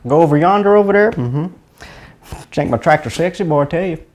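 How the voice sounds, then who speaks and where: A man's voice: fairly high pitch, expressive, fairly quick, a little mellow, pitched above the performer's own voice, natural voice. A man putting on a hammy Mississippi country drawl. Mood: hammy boasting. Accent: put-on Mississippi. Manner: drawling, playful, boastful.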